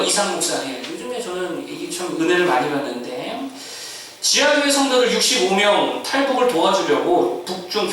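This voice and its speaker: A man's voice: on the high side, a bit bright, very echoey, recorded from a distance, a little hiss or hum, poor audio. A male pastor preaching a sermon to his congregation, asking them questions and answering them himself. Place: church sanctuary.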